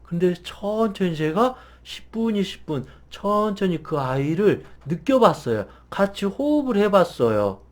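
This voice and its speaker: High, expressive man telling a confession. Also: measured pace, hardly any pauses. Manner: earnest, emotional, swings from hushed to intense. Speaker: meditation and hypnosis counselor. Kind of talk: personal confessional storytelling.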